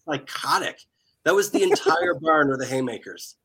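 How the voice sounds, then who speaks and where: Male co-host with a bright, forceful voice, animated storyteller who acts out quotes. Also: on the high side, normal speed, husky. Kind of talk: casual live commentary chat.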